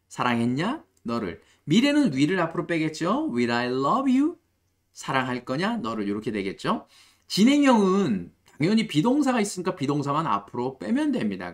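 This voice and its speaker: A man teaching grammar with a lively, swooping delivery and a slightly high voice. He drills example sentences slowly and keeps asking the learner rhetorical questions. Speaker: English teacher. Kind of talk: spoken grammar lesson.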